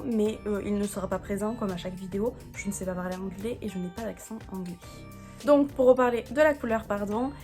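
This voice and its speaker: A woman with a fairly high voice chats enthusiastically about nail polish, piling up fillers and praise. She reads colour names off a screen and trips over the English ones. Soft music plays faintly behind her. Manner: chatty, enthusiastic, many fillers and repeated praise. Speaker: beauty vlogger. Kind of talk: casual product showcase.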